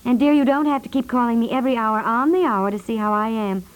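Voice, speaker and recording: An actress playing a sensible, gently protesting expectant wife in a naturalistic 1950s radio comedy, polite and reasoning. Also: female voice, a little high, fast talker, natural voice. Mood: reassuring. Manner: polite, reasoning, mildly exasperated.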